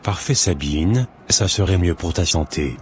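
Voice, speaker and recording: A man voicing an earnest Christian big brother in a cartoon, speaking in a measured, didactic, preachy way. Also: deep voice, lively intonation, soft background music. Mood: earnest, exhorting. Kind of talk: scripted cartoon dialogue, expository.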